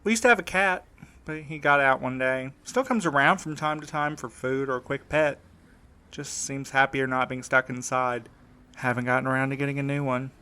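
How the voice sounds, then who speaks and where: A man's voice: medium pitch, steady tone, moderate pace, pushed and bright, smooth, lightly acted. A man acting as a tired young mail carrier in an audio drama. He sounds battered and weary, with a dry, wry edge. His delivery stays natural and conversational. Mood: recounting, uneasy.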